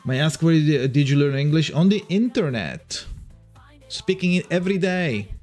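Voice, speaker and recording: A man's voice: a little high, lively intonation, moderate pace, a little mellow, soft background music. A young man from Italy with an Italian accent, chatting casually with viewers on a livestream and often restarting his sentences. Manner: rambling, frequent restarts and swearing. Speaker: streamer.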